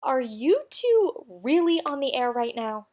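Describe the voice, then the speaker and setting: A woman's voice: high-pitched, sing-song, measured pace, a little mellow. A woman playing a haughty, threatening college official in an audio drama, with an imperious, scornful manner. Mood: indignant, threatening.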